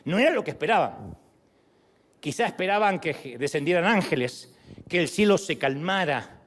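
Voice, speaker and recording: A middle-aged man preaching a sermon in a joking, lively way, acting out voices. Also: on the high side, normal speed. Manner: animated, joking, acts out voices.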